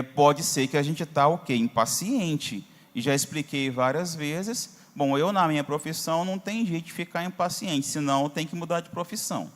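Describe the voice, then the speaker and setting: A man with a Brazilian Portuguese accent, a pastor teaching a Bible class in a conversational way, often checking in with the class. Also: fairly high pitch. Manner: conversational, asks for verses on screen, frequent "tá?". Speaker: Sunday school teacher, pastor. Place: church hall. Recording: hall reverb.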